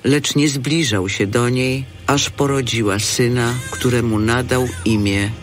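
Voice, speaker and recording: A man's voice: mid-range voice, steady tone, measured pace. A man narrating scripture from a script for an audio drama.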